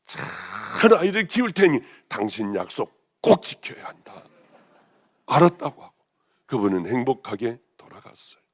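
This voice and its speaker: A woman pastor with a hoarse voice, preaching a sermon with passion, rising to loud exclamations and then dropping to hushed, almost whispered lines. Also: deep voice. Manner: impassioned, swinging between raised exclamations and hushed near-whispers.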